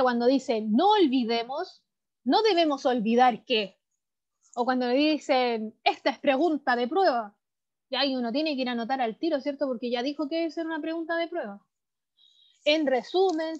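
A woman's voice: high voice, a little mellow. A young woman with a Chilean accent teaching an online class, explaining steadily and checking in with frequent tag questions. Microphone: video call. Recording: dull lo-fi video call audio.

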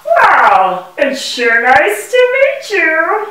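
Woman voicing a bright, sing-song puppet bee. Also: extremely high pitch, wildly swooping pitch, extremely slow, full character voice. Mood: friendly. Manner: sing-song, emphatic explaining. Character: gentle, busy female mason bee puppet, earnest. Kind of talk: rhyming children's educational puppet show. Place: indoor puppet stage in a room. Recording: echoey room, distant microphone.

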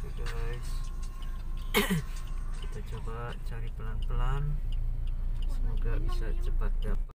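A man's voice: medium pitch, takes it slowly, long pauses. A man in his forties driving and talking casually to his vlog viewers, calling them guys. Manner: addresses viewers as guys, lively tone. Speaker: family vlogger, driver. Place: inside a car in traffic. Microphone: camera on the dashboard. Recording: loud car and street noise. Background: traffic and engine noise.

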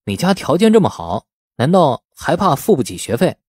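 A man's voice: a little high, sing-song, moderate pace, a little mellow, breathy edge, no room sound, studio quality, pitched above the performer's own voice. A man voicing an easygoing, righteous young man in an audiobook, speaking conversationally and encouragingly.

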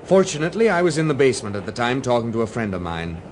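A man's voice: medium pitch, big pitch swings, quick pace, a little mellow, slight background noise, close to an everyday voice. An actor playing an amiable, slightly uneasy American man abroad in a radio drama, with an American accent. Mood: subdued.

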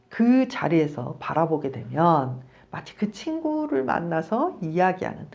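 A woman's voice: lowish voice, gravelly, dull audio. A middle-aged woman, a psychology professor, giving a conversational video lecture on counseling and acting out bits of dialogue. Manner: animated, conversational, acts out quoted dialogue.

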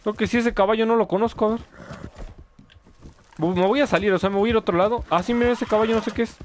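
Man, gaming live stream commentary, excitable and chatty, high voice. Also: fast, slight background noise. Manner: excitable, chatty with viewers, yelps at mishaps.

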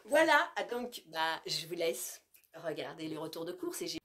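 A French woman in her fifties, a vlogger, chats casually to a close-up camera about her groceries in an indoor bedroom with leafy wallpaper. Her low, fairly bright voice is very animated at a moderate pace, a little stuffy from a cold. Chatty and playful, she coos and uses baby talk with her cat now and then.

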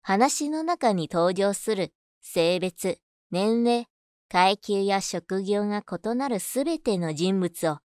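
A woman's voice: medium pitch, lively intonation, slow pace, a little mellow, clear, resonant tone, dry recording, clean studio sound. A woman reading scripted narration as a voice-over artist. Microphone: studio condenser microphone on boom arm.

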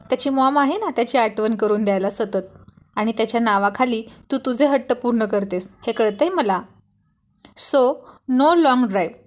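A woman's voice: on the high side, darkish tone, natural voice. A woman reading a storybook voices a teasing, protective young husband in an affectionate manner.

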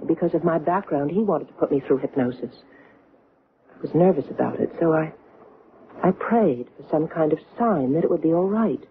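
A woman's voice: low voice, animated, normal speed. An actress playing a poised, frank young mother troubled by a strange encounter, in a direct, dry radio drama style. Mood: confiding, uneasy. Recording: muffled, noisy old radio recording.

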